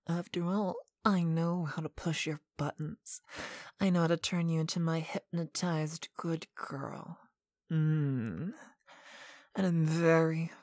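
Woman, lowish voice, very slow, soft and commanding, half-whispered hypnosis roleplay, dry close-mic sound. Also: dry recording. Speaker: hypnosis audio narrator.

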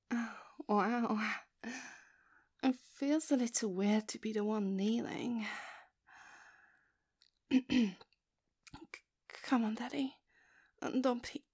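A young woman in first-person audio roleplay, with a soft, breathy, whispery, pleading way of talking. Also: fairly high pitch, no room sound, studio quality.

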